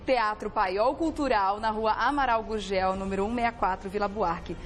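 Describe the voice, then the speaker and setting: A woman's voice: mid-range voice, normal speed, slight background noise. A Brazilian woman hosting a daytime television talk show in a presenter's style. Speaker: TV show host.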